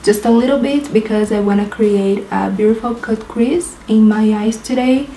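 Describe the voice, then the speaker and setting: A woman's voice: fairly high pitch, normal speed, mellow, echoey room, a little hiss or hum, rough recording. A young woman from Brazil with a Brazilian Portuguese accent, chatting through a makeup tutorial in her apartment and describing each step while laughing often. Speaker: beauty vlogger. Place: apartment in a big city.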